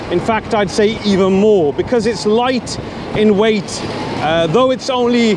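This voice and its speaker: A man with a high pitch keeps his loudness very even at a fairly slow pace, with noticeable background noise behind him. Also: ordinary pitch variation. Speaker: motorcycle reviewer. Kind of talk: on-the-ride commentary. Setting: riding a motorbike outdoors. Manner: shouting.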